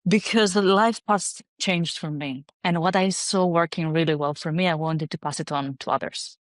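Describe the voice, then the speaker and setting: A woman's voice: on the low side, moderate pace, no room sound. A woman from Greece, a guest in an interview, speaking in a reflective, thoughtful way. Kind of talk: conversational interview.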